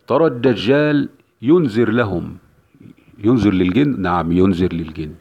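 A man's voice: on the low side, gravelly, darkish tone, slightly rough. A male Islamic preacher giving an emphatic religious lecture, repeating key phrases for weight. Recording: dull lo-fi recording.

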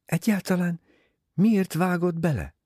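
A man voicing a shy, gentle young woman in an audiobook, with a soft, timid delivery. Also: high-pitched, slightly rough, dry recording, clean studio sound, pitched above the performer's own voice.

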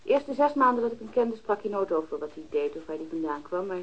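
A woman's voice: mid-range voice, sing-song, fast talker, a little hiss or hum, natural voice. Actress as brash bohemian woman, dull recording. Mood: frank, matter-of-fact. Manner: blunt, challenging. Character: brash, wary, mocking bohemian woman sculptor. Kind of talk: radio drama acting. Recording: dull lo-fi old radio recording.

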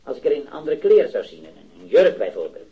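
A man with a mid-range, sing-song voice, lightly acted and heard through a muffled recording. He plays a hesitant metal worker in his early thirties, an eager eyewitness to a robbery in a 1970s radio drama, halting, stammering and repeating words. He sounds unsure and rambling.

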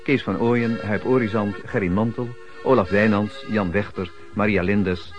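A man's voice: on the low side, steady tone, normal speed. A man formally reading the closing credits of a radio play as the announcer. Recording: dull, band-limited old radio recording. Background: accordion music.

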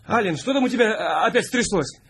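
A man's voice: high-pitched, lively intonation, fast, fairly bright tone. A man acting in a radio drama as a worried, loyal friend who talks earnestly and anxiously. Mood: puzzled, worried.

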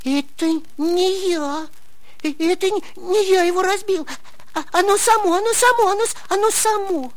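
A woman's voice: very high-pitched, normal speed. A woman voicing a young puppy in a cartoon tale, childlike, grumbling and flustered.

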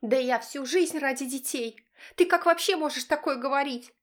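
A woman's voice: moderate pace, lightly acted. A woman playing a shrieking furious wife. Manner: shrill, hysterical, accusing.

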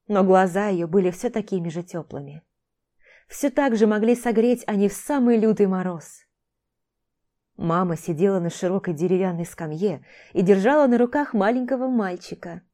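Mellow-voiced woman reading a fantasy novel. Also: medium pitch. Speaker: audiobook narrator. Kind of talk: first-person fantasy audiobook narration.

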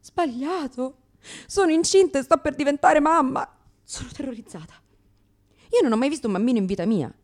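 Actress playing a brash, highly animated lesbian comedian. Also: female voice, fairly quick. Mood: anxious, ironic. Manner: sardonic, exclamatory, crude, self-mocking. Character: brash, neurotic lesbian comedian facing unexpected motherhood. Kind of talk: theatrical comic monologue for radio.

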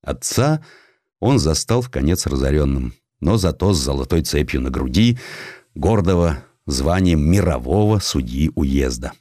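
A man with a deep voice tells a historical tale as a dramatized audiobook. His intonation swings widely and he uses theatrical pauses. The sound is close and dry. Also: expressive, mellow, no echo. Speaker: audiobook narrator. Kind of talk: dramatized storytelling, scripted narration of a historical sketch.

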